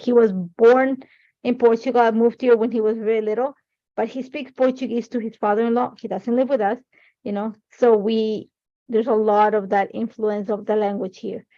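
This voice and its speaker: Leading a live crafting demo, the host chats loosely and muses aloud in a fairly high, slightly mellow voice. She is a middle-aged native Spanish speaker with an Ecuadorian accent, working at a crafting desk beneath an overhead camera, and the lo-fi stream audio is dull.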